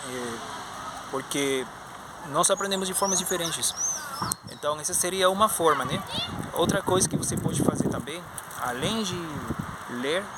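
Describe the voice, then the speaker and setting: A man's voice: on the high side, noisy background. A man in his thirties, a talking, giving a casual, encouraging video lesson as a language teacher and channel host, with many fillers. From Spanish-speaking country. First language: Spanish. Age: 30s.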